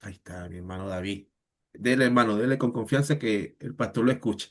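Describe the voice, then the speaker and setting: Soft-spoken, a man talks in a fairly low pitch. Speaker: Bible study teacher. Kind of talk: online Bible class discussion. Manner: slow.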